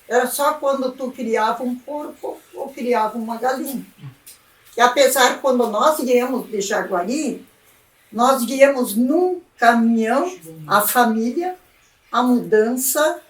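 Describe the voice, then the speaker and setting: A woman in her seventies with a rural southern Brazilian accent, reminiscing in an unhurried way in an oral history interview. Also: a little high. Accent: southern Brazilian Portuguese, rural Rio Grande do Sul. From rural Rio Grande do Sul, southern Brazil. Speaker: retired teacher interviewed about local history. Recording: roomy echo, distant microphone.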